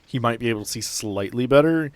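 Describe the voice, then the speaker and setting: A man's voice: mid-range voice, quick pace, no room sound. A man playing a tabletop game, chatting casually and explaining things in a matter-of-fact way. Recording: music behind the voice. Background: music.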